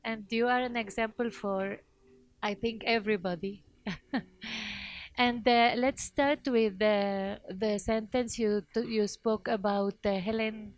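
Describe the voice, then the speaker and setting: A woman's voice: on the high side, steady tone, takes it slowly, dry recording. Hesitant interviewer woman. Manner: hesitant, with many fillers and restarts. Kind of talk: interview questions.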